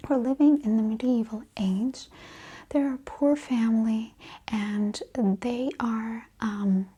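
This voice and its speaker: Casting: female ASMR host, mellow breathy whisper, slightly high, hushed casual chat.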